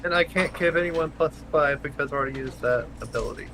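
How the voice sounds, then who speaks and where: An eager, agreeable man in his forties chats as a player. His voice sits fairly high. A faint hiss lies behind him on the call. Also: fast talker. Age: 40s. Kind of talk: casual chat over a voice call.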